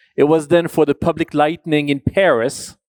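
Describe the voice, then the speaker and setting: With a French accent, a man speaks at a moderate pace in a fairly high pitch, in a dry, close sound with no echo. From France. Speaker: conference speaker on hydrogen policy. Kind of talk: conference presentation.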